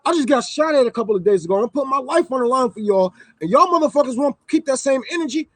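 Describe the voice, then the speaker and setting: Man, high-pitched, heated livestream rant, profane, repeats himself, dry sound. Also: lively intonation, fast talker, dry recording. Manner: heated, profane, preachy, repeats lines for emphasis. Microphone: microphone.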